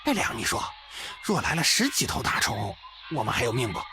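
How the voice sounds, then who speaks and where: A man playing a loud, cruel, gleeful bandit thug in a visual novel, brash and threatening in a theatrical way. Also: mid-range voice, sing-song, a little fast, noisy background. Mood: chatty, sly. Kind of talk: voiced visual novel dialogue in Mandarin. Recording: music playing loudly behind.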